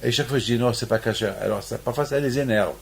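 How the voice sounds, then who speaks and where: Speaking quickly in a mid-range, creaky voice, a rabbi from Morocco preaches on the week's Torah portion. He keeps repeating his points and climbs repeatedly into forceful, emphatic high points.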